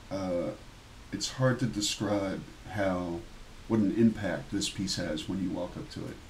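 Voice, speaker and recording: A man's fairly low, fairly slow voice with ordinary pitch variation, long, frequent pauses and light background noise. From Pennsylvania, Bensalem (Philadelphia area); Pennsylvania. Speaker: art video creator; art vlogger. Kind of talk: narrated photo tour; commentary on own photos. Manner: casual, frequent filler uhs. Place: home room. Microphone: webcam.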